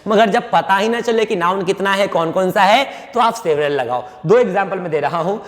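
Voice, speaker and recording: Guy teaching grammar, high voice, stretches out every example, bit of long echo. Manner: drawn-out dictation of example sentences, coaxing. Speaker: English teacher. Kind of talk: classroom-style grammar lesson.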